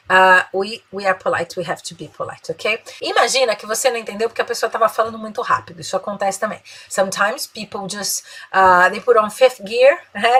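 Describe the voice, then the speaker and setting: A Brazilian woman, a native Portuguese speaker, teaching business English, explaining in Portuguese and slowly modeling English phrases. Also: mid-range voice, fairly bright tone, husky, low-quality recording. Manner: tags sentences with "né?". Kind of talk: bilingual English lesson.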